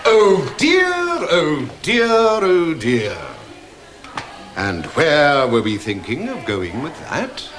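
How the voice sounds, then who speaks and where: A sarcastic, weary British schoolmaster in a television drama. His fairly high voice rises and plunges dramatically through pompous, wordy reproaches. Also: huge pitch swings, extremely slow, fairly bright tone, a little hiss or hum, exaggerated voice. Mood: sardonic disapproval. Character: pompous, sarcastic male form tutor, theatrically weary. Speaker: actor in a school drama series.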